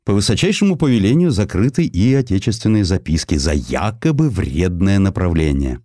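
A man narrating a historical sketch in an expressive scripted style, with dramatic, deliberate phrasing. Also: low voice, no echo, studio quality. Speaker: audiobook narrator.

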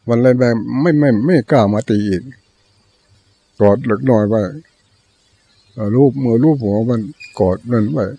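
Older Thai monk giving a calm Dharma talk. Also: male voice, medium pitch. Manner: plain storytelling with repeated teaching phrases. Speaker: Buddhist monk teacher.

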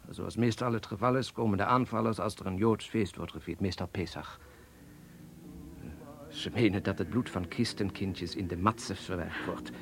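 An actor playing an earnest young Polish-Jewish revolutionary in a Dutch radio play, lecturing with hesitant pauses. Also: male voice, deep voice, creaky. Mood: grave, recollecting. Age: young adult.

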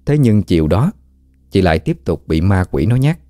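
Low-voiced man telling a ghost story. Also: sing-song, moderate pace, warm tone, no room sound. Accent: Southern Vietnamese. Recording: dry close mic with faint music.

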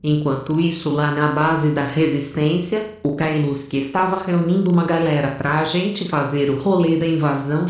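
A woman's voice: low voice, darkish tone. A woman playing a brash, cocky rebel soldier in an audio drama, speaking in a slangy, self-assured way. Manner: colloquial, sassy, self-assured. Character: brash, cocky, foul-mouthed female rebel soldier telling her tale. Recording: very echoey room.

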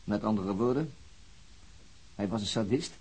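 Very husky, sober detective. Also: male voice, lowish voice, moderate pace, a little mellow, rough recording. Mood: probing, restrained. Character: sober, weary male police detective, probing and measured. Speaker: actor. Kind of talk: radio drama dialogue.

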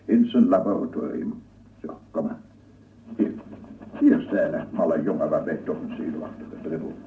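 A man's voice: a bass voice, moderate pace, a little hiss or hum. An actor playing an obsessive lone scientist in a radio play, cooing and murmuring repetitively as he does with his dog. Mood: playful, soothing. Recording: echoey, distant, phone-like old radio recording.

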